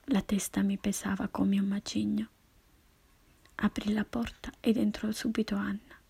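A woman reading a first-person story in a slow, hushed, intimate whisper. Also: mid-range voice, level tone, vocal fry, husky. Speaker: narrator.

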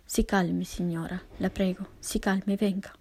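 Woman reading as a brisk, soothing nurse. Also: mid-range voice, fairly even intonation, vocal fry, a little mellow, slightly rough. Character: calm, brisk hospital nurse.

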